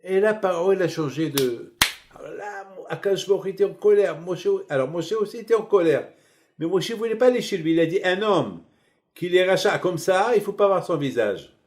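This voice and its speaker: A middle-aged man giving a sermon as a rabbi, telling stories in a lively, colloquial way. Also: high-pitched, normal speed. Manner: animated, colloquial storytelling.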